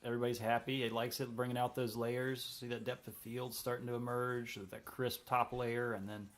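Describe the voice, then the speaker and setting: A man with a Southern US accent and a folksy old-gentleman drawl, making wry, casual commentary over an art video. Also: medium pitch, little pitch movement, brisk. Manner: wry, joking.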